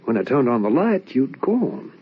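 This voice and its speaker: An actor playing an anguished, probing young son in an old-time radio drama, with earnest, theatrical, questioning delivery. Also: male voice, medium pitch, very animated, moderate pace, husky. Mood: worried, gentle. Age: young adult. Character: anguished, probing young adult son narrating a ghost tale. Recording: dull, lo-fi old radio recording.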